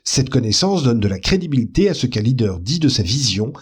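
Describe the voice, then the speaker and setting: Lively-pitched male corporate training narrator. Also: fairly quick, husky. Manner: calm, explanatory, pleasant delivery. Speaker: e-learning course narrator.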